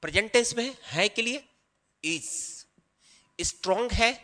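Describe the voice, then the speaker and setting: A man's voice: high voice, unhurried, sharp tone. A man teaching an English grammar lesson. He explains patiently step by step and keeps checking that the listener is following. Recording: long reverb.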